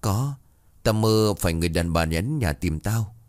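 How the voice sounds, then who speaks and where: A man's voice: deep voice, lively intonation, moderate pace, a little mellow. A man voicing a timid, frightened schoolgirl. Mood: uneasy. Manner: pleading.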